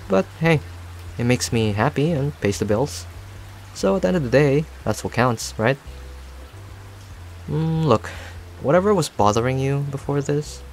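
A man playing a friendly, talkative cafe owner in a roleplay audio, speaking to the listener in a chatty, rambling, gently attentive way. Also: mid-range voice. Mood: reflective, friendly. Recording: soft music and rain behind. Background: music and rain sounds.

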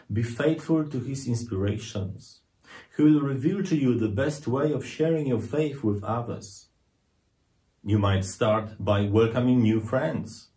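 A middle-aged man, a Catholic priest, delivering a scripted homily to camera in a measured, earnest, deliberate way. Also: medium pitch, warm tone.

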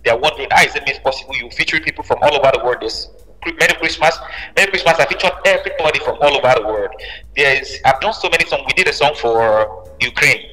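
Speaking fast at a medium pitch, this man has a bright, forceful tone as he talks as a musician guest in an interview conversation. He stresses points by repeating phrases emphatically, and a long echo fills the reverberant room.

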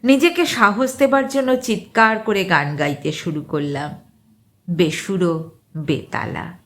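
A woman reading an eerie short story aloud as dramatic narration, with a suspenseful delivery and deliberate pauses. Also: fairly low pitch, a bit bright.

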